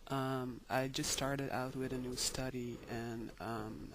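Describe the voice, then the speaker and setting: Young male vlogger, mid pitch, very slow and hesitant, faint background noise. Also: level tone. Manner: hesitant, many ums and pauses. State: tired. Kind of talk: casual video diary.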